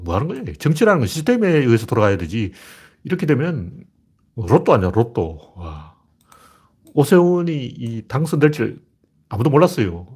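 A man's voice: mid-range voice, slightly rough. A middle-aged man hosting a political commentary livestream, talking bluntly and scornfully and getting heated. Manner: blunt, heated and scornful, rising to near-shouting. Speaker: livestream host.

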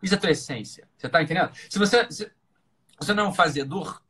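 Casting: Brazilian-accented man, husky, very fast talker, blunt advice-giver who hammers points with repeats and rhetorical questions. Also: on the high side, fairly bright tone. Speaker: live-talk host giving relationship advice. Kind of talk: informal opinionated talk.

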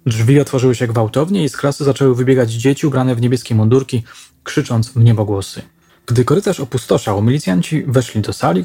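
A man narrating a crime novel audiobook with a steady, even reading. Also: mid-range voice.

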